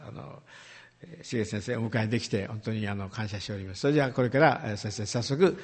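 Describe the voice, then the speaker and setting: Polite pastor introducing a guest. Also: male voice, fairly low pitch, creaky, slightly rough. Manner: polite, measured, with frequent fillers. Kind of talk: formal church introduction. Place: church.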